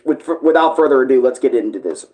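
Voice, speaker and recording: An online video creator and live streamer rambles through a casual chat, often groping for words and correcting himself. He talks fast in a mid-range, expressive voice with a dark tone.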